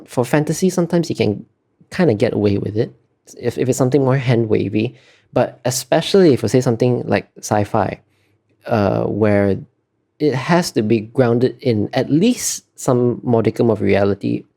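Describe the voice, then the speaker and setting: Man, mid-pitched, soft dark tone, casual interview talk, hesitant and self-correcting. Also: vocal fry. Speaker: concept artist being interviewed.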